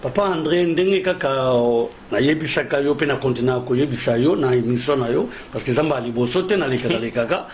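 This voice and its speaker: A man's voice: mid-range voice, fairly quick, few pauses, a little hiss or hum. A man from Kongo Central in DR Congo, a guest who founded an association, explaining in earnest at length and repeating his phrases. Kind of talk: interview talk mixing French and Lingala. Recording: dull lo-fi sound.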